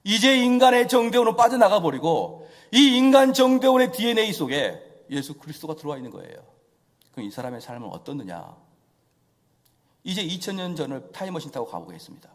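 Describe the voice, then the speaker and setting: A man's voice: high-pitched, big pitch swings, fairly quick. A male pastor preaching a sermon in an emphatic style, full of rhetorical questions. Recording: long church reverb.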